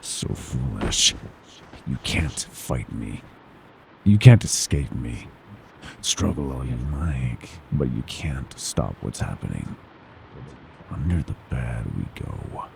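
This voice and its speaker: Horror ASMR monster: male, predatory, mockingly tender, heavy gravelly creak, swooping intonation that slips into whispers. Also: sing-song, noisy background, exaggerated voice. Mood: taunting. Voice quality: very deep, gravelly creaking growl. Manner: menacing, slow and savoring, mockingly tender, slipping into whispers. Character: gleeful predatory male monster from under the bed.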